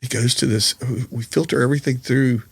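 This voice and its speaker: Candid, gravelly middle-aged man. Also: mid-range voice, steady tone, a little fast, no echo. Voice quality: slightly raspy from playing. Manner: candid, reflective, jokey storyteller. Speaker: podcast guest, musician and comedian. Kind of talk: casual conversational interview.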